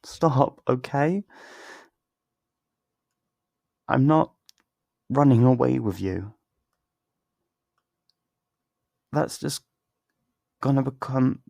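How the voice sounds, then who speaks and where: A man playing a torn, tender best friend in an intimate ASMR roleplay, speaking in a halting, emotional, pleading way. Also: medium pitch, vocal fry, dark tone, dry recording, studio quality, exaggerated voice. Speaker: audio roleplay voice actor.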